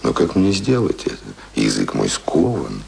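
An actor in a radio play playing an earnest, passionate young self-taught would-be writer, speaking ardently and poetically. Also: male voice, deep voice, huge pitch swings, normal speed, gravelly, heavily acted. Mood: rapturous.

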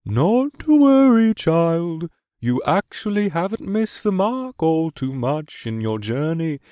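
A man's voice: fairly high pitch, sing-song, slow, warm tone, dry recording, studio quality, pitched above the performer's own voice. A man voicing a pompous little white male crab who talks in a lofty, crooning, easily scandalized way.

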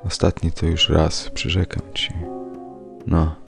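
Man doing a tired broken father, quiet, half-whispered, gravelly low voice, horror audiobook. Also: completely flat delivery, slow, soft background music, full character voice. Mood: resigned. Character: weary, broken middle-aged father.

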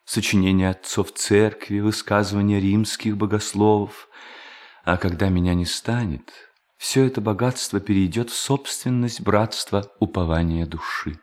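A man acting a pious, mournful, bookish member of a religious brotherhood in an audio drama, solemn and preachy. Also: lowish voice.

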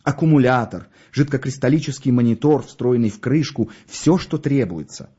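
A man acting an unctuous undertaker, salesman patter, mellow, slightly dull recording. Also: mid-range voice, normal speed, slightly rough, lightly acted. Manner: salesman's patter, swooping with enthusiasm. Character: oily, gushing middle-aged male undertaker.

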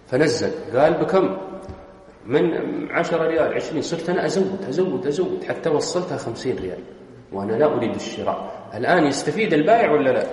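A man teaching Islamic law, walking his students through each point and firing questions back at them. His voice rings out with heavy echo and a long reverb tail, over a faint steady hiss. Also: mid-range voice. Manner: explanatory, quizzes students with questions. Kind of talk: classroom lesson. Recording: very echoey hall.

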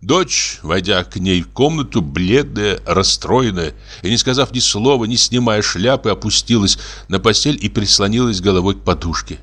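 A man narrating a classic short story in a measured, expressive way. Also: on the low side. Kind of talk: literary audiobook narration.

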